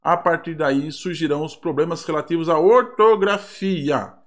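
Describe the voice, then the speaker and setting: A man's voice: on the high side, normal speed, fairly bright tone. A man with a Brazilian Portuguese accent, a teacher reviewing mock exam questions in an online lesson, reading aloud with ironic asides.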